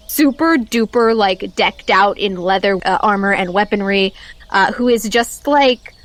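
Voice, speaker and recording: A woman improvising narration as the game master of a tabletop role-playing game, in halting, pieced-together phrases. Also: mid-range voice, a bit bright.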